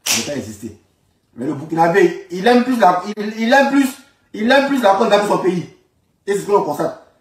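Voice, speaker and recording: A man's voice: high-pitched, very animated, a little fast, crowd noise. A man with an Ivorian accent giving an informal political monologue, insistent, repeating phrases for emphasis and asking rhetorical questions. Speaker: political commentator. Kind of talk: informal spoken political monologue in reply to a speech. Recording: roomy echo, distant microphone.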